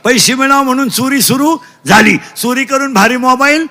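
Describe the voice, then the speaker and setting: A man's voice: very high voice, normal speed, bright, forceful tone. A man with a Marathi accent preaching a comic kirtan, quizzing the crowd and drilling the children in call-and-response, dropping in broken English phrases. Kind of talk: comic devotional sermon with audience call-and-response. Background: crowd answering back.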